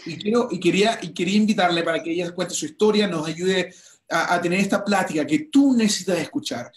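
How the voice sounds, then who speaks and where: A man's voice: high voice, fast talker. A man hosting a motivational interview, enthusiastic and full of stammered restarts. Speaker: host.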